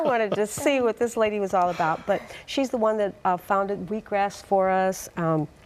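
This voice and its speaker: A woman with a fairly high pitch and lively intonation talks at a moderate pace while noticeable background noise runs underneath. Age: 60s. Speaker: raw food and detox teacher, restaurant owner. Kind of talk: TV talk show interview.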